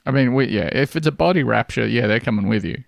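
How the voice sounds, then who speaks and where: A man co-hosting a podcast in casual chat, animated and quick with jokes. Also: mid-range voice, vocal fry, dry recording, studio quality. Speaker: podcast co-host.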